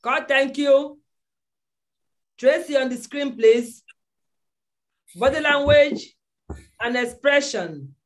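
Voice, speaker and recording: Nigerian lady acting coach, high voice, takes her time, bossy instructions over a video call. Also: takes it slowly, pauses often. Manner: commanding, instructing, repeats orders. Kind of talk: directing students in an online audition class. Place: indoor room, on a video call. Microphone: video call microphone.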